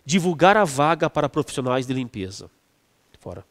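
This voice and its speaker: A male teacher walks students through exam questions in a lively, rising-and-falling voice. He fills pauses, restarts sentences, and drags out key words for emphasis. His voice rings with a long reverb, as if recorded in a large, hard room. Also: mid-range voice. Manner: explanatory, with frequent fillers and restarts; stretches words to stress them. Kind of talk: exam-prep lesson.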